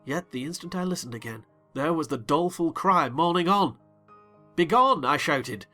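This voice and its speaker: A man reading a novel aloud as a dramatized audiobook, theatrical and quick to rise into excited shouts. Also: on the high side, faint music behind. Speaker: narrator.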